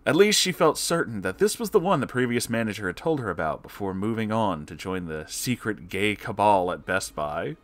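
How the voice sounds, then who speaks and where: A man's voice: on the low side, animated, moderate pace, few pauses. A man reading comic horror fiction aloud as a narrator, in a scripted, dramatic storytelling style.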